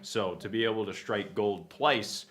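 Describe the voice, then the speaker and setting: A man's voice: fairly low pitch, a little slow, a bit bright. A young man chatting casually on a livestream as a guest, rambling and self-deprecating, swearing casually. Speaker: guest content creator. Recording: lofi music playing faintly behind.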